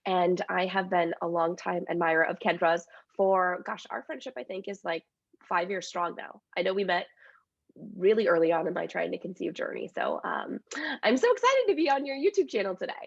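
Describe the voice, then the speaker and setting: A woman's voice: fairly low pitch, lively intonation, brisk, vocal fry, no echo, dull audio. A woman in her thirties with a cold and a congested voice, chatting openly as an interview guest about her work and life. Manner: open, chatty, many fillers. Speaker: dietitian and author, interview guest. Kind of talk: casual interview chat.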